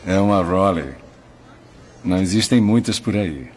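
A Brazilian man dubbing a kindly, earnest photographer who gently gives advice in a film. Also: deep voice, unhurried, slight background noise. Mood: friendly, curious. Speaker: dubbing actor. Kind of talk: Brazilian Portuguese film dub.

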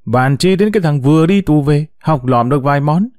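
A man voicing a boastful, dismissive older village medic with a booming voice, in a storybook reading. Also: lively intonation, fairly quick, no echo, clean studio sound, natural voice. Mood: scornful. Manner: loud, scornful.

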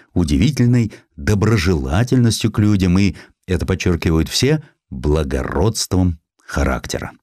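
A man with a very low voice narrates a literary historical piece. His intonation rises and falls widely in an expressive, measured storytelling way. The recording is dry and close, with very little room sound. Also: dry recording. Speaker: audiobook narrator.

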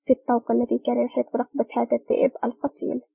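A man's voice: extremely high pitch, monotone, rapid-fire, creaky, slightly rough, no room sound, highs cut off, full character voice. A woman reading a cold, curt male agent. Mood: triumphant. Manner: curt and scolding. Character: cold, sharp-tongued male special agent.

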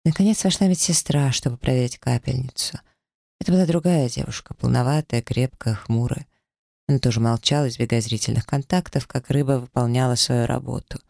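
A man reading a first-person story as an audiobook narrator, in an even, somber way. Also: mid-range voice, brisk, creaky, no room sound, clean studio sound. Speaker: audiobook reader.

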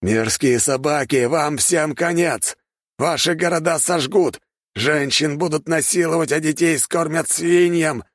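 A man voicing a cruel, arrogant high-caste male commander who hisses out slow, menacing threats. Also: no room sound, clean studio sound.

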